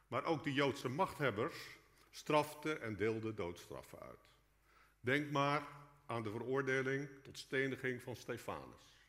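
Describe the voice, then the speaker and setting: A man preaches with a bright, projecting voice at an average pitch, reading his sermon in earnest, measured phrases. Long cathedral-like reverb from the church hall trails his words. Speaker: preacher, guest speaker in a church. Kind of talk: sermon read from a prepared text. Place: large church hall, indoors.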